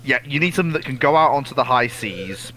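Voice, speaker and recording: A man's voice: mid-range voice, lively intonation, fast. A man co-hosting a casual expert chat, speaking emphatically and repeating himself for weight, recorded with some noise. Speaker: co-host answering viewer questions. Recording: clearly audible background noise with clicks.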